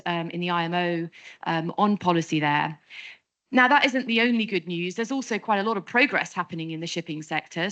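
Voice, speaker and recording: A woman moderating a conference panel, brisk and friendly, with frequent ums. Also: on the low side, a bit bright. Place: conference stage.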